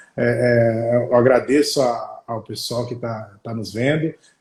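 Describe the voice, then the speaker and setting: A man with a São Paulo interior accent speaks in a dark, mellow tone, somewhat breathy, with fairly even intonation. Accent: caipira accent from interior São Paulo. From Brazil, interior of São Paulo state (Barretos). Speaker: pulmonologist, doctor. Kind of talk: live-stream conversation. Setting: online live stream, video call with headphones. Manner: hesitant, repeats words.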